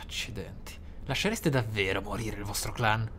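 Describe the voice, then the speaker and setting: Italian man commenting, slightly low voice. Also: moderate pace, a bit bright, slight background noise. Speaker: gaming channel host. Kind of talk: casual let's play commentary.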